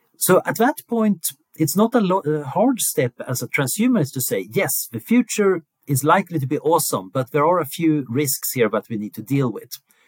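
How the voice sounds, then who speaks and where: Swinging very widely in pitch, a man speaks with a Swedish accent, the sound dry and close with no echo. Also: fairly high pitch for a man, moderate pace. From Sweden. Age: 50s. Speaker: futurist researcher. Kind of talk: interview.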